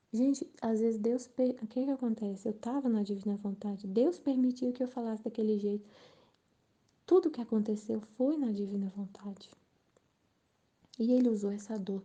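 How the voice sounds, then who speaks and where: A woman sharing an earnest, emotional spiritual testimony, sometimes dropping to a soft near-whisper. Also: medium pitch, husky. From Brazil. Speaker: Catholic channel presenter.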